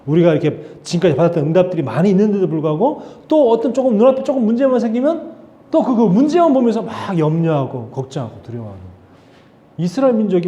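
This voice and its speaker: A man preaching a Sunday sermon in church, conversational and animated, asking the congregation questions. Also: sits high. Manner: animated, acts out quoted voices of God and Moses. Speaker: pastor. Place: church sanctuary.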